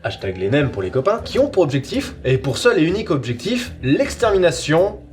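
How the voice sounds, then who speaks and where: A man's voice: fairly high pitch, sing-song, a little fast, soft background music. A man presenting a casual review of an audio series, rambling and repeating words for emphasis. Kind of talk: casual chronicle, semi-improvised.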